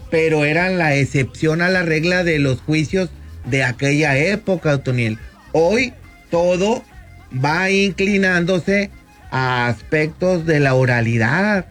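A man in his fifties, a lawyer, explaining at length in a measured way on a radio talk segment from a studio booth. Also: a little high, fairly bright tone, faint music behind. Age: 50s. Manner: measured, explanatory, often addresses the host by name. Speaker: lawyer guest on radio show.

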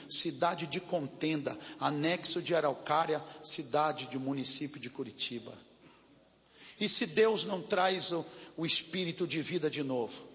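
Fervent high-pitched pastor. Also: male voice, fairly bright tone. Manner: fervent, rhythmic rebuking and repetition. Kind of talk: sermon and deliverance prayer. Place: church hall. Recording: dull lo-fi recording with long hall reverb.

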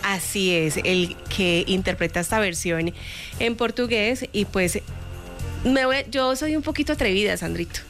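A woman's voice: medium pitch, a little slow, fairly bright tone, faint music behind. A woman co-hosting a live radio show, chatty and affectionate, laughing easily. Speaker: radio co-host.

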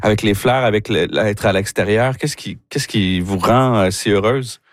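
A man's voice: on the low side, normal speed, dry recording, clean studio sound. A man hosting a radio interview, asking friendly questions that halt and restart often.

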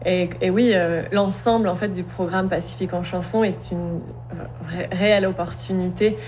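A woman, a slam poet and singer, answering interview questions in an earnest, thoughtful way with many pauses. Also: lowish voice, fairly even intonation, darkish tone, slight background noise.

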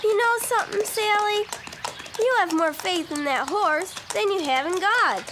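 A woman's voice: extremely high pitch, unhurried, heavy background noise. A woman playing an earnest, devout young girl, eager and kind, in a children's Christian audio drama. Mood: earnest, gentle.

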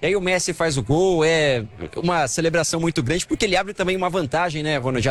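Lively young Brazilian field reporter. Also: male voice, a little high. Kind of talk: live news report from the field. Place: outside a football stadium.

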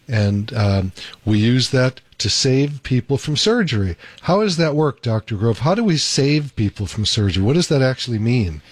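Male radio host, doctor, relaxed chatty delivery, dry close studio mic. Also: mid-range voice, moderate pace, dry recording. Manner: easygoing, chatty, with fillers. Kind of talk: live radio talk show. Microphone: studio microphone.

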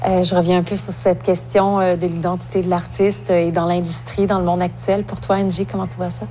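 A woman hosting an interview, calm and gently prompting her guests. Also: fairly low pitch, fairly quick, faint music behind. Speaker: interview host. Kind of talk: radio interview.

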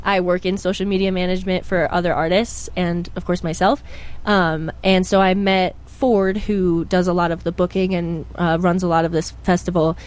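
Young woman, from Pennsylvania, lowish pitch, bubbly chatter. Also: level tone, normal speed, a little mellow, smooth. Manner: bubbly, chatty, full of fillers. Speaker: guest musician. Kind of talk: casual interview.

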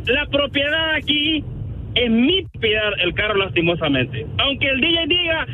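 A man's voice: very high-pitched, expressive, normal speed, a little hiss or hum. A man from Honduras, calling in to a radio show and talking in a defiant, insulting way over a muffled phone line. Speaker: caller.

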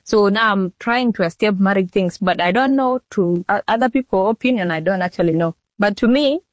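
Halting young woman. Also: medium pitch, dry recording. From South Sudan. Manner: halting, repeats herself and restarts sentences. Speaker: model being interviewed. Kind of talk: interview answers.

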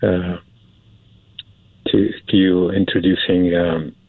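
A man from Syria, calling in to a radio show. He speaks nervously and haltingly, repeating words and restarting his sentences. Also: low-pitched, flat delivery, slightly rough, no room sound. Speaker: caller. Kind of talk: call-in radio conversation. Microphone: telephone. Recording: tinny, muffled phone line.

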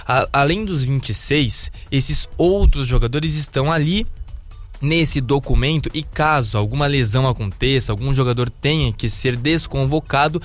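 A man's voice: mid-range voice, moderate pace, soft background music. A man giving an enthusiastic, explanatory sports update on a radio show. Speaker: sports reporter.

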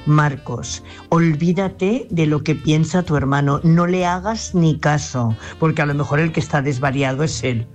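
An older Spanish woman with a La Mancha accent phones in to a radio programme. Her voice sits low, and she gives earnest advice, repeating herself and restarting her sentences. Soft music plays faintly behind the call. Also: moderate pace, few pauses. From Castilla-La Mancha, Spain. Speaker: caller.

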